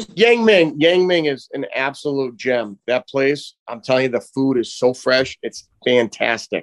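An ordinary speaking voice from a man with an American accent, fairly high in pitch, with lively intonation, a fairly slow pace and hardly any pauses, in a dry, close sound with no echo. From northeastern Massachusetts (Bradford, Haverhill). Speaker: flooring business owner. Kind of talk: casual chat.

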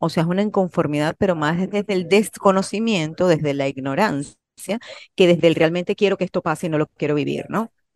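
Against a quiet background, a woman with a Venezuelan accent speaks fairly quickly at a fairly low pitch, with ordinary pitch variation and a dry, close sound that has no echo. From Venezuela, Valencia. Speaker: life coach. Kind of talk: casual chat.

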